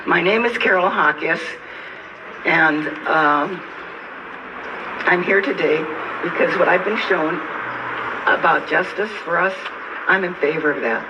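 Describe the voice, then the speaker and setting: A woman in her eighties giving unscripted remarks at a press event, halting and self-deprecating as she searches for words. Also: lowish voice, highs cut off. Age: 80s. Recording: distant mic with noticeable background noise.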